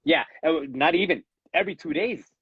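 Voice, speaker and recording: Recorded at home on lo-fi audio with no room sound, a man with a husky, slightly high, expressive voice talks at a moderate pace. Born in Los Angeles and raised in Miami by Cuban parents, he has a Latino, Cuban-American accent. As a guest in a casual live interview, he speaks earnestly about his acting career, repeating words as he restarts sentences.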